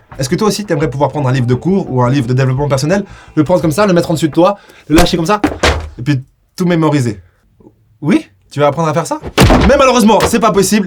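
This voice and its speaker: With lively intonation and a fairly high pitch, a man talks at a very fast pace broken by long, frequent pauses. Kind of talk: casual talk to camera.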